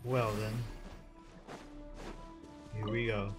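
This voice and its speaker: A young man giving casual, slangy, deadpan reaction commentary while playing a video game. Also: lowish voice, drawn-out words. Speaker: gaming streamer. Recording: game music behind.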